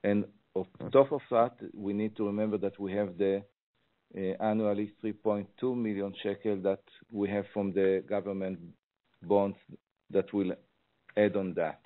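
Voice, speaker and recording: A man with an Israeli accent speaks in a deep, flat voice over a narrow phone line. He is a company executive giving financial answers, with halting, hesitant phrasing. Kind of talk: earnings call answer. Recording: muffled, tinny phone conference line.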